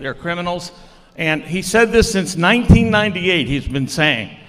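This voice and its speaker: Noticeable background noise beneath a high male voice whose pitch varies in an ordinary way. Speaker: professor. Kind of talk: heated debate.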